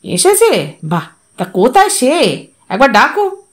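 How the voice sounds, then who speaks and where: A woman's voice: high voice, huge pitch swings, slow pace, full character voice. A woman doing a nosy, bossy old uncle. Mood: prying. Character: older nosy uncle, meddling, bossy gossip.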